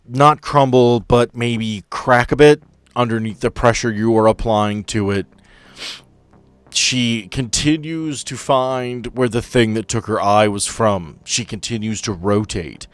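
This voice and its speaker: A man's voice: mid-range voice, slow, no room sound. A man working as game master, narrating the action and addressing players directly in a conversational way. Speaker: game master of a tabletop role-playing podcast.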